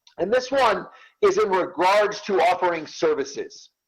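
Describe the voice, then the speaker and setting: An energetic-toned man with an American accent speaks with very wide pitch swings. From Boston, US. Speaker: LinkedIn marketing expert, webinar presenter. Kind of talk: webinar sales presentation. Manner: fast.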